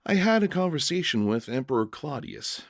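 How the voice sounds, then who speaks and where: A man voicing a calm, gentle condemned Christian holy man in a story, speaking in a serene, measured, kindly way. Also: on the high side, gravelly, dry recording, studio quality, pitched above the performer's own voice.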